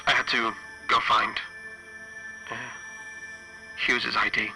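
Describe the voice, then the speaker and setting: A man playing a frightened, stranded spaceship engineer recording an audio log for a horror roleplay, halting and stammering through a radio filter. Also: medium pitch, little pitch movement, creaky, pushed and bright, faint music behind, full character voice. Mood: uneasy musing. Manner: halting, stammering, anxious repetitions. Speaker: solo tabletop roleplayer.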